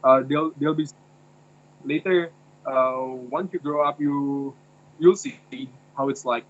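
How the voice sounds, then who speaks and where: A man's voice: fairly high pitch, fairly even intonation, slow. A young man from Indonesia, a university student, talking hesitantly and searching for words in a casual discussion. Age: young adult. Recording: dull lo-fi sound.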